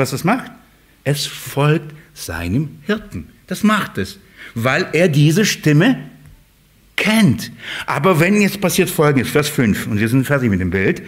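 A man preaching a sermon to his congregation, lively, playfully acting out voices of shepherds and sheep, with his voice rising and dropping. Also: mid-range voice.

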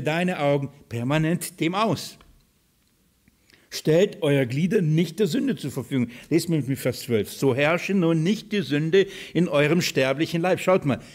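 A man delivers a sermon to his congregation. His voice sits fairly high, and he swings between loud, urgent calls and quiet, soft asides, often asking the listeners questions. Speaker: pastor.

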